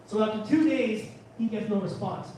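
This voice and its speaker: Brief: man, high voice, animated live storyteller, keeps backtracking, recorded from far off in a very echoey room. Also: normal speed, a little hiss or hum. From Canada. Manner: animated, chatty storyteller who backtracks and restarts. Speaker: photographer giving a talk. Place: large room at a photography guild talk. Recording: very echoey room, far from mic, faint ambience.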